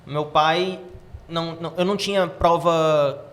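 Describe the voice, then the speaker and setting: A young man, the son in a family business, talking in an animated, casual way with slangy fillers. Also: on the high side. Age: young adult. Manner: fast, animated, uses slang fillers like "cara". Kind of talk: casual interview talk.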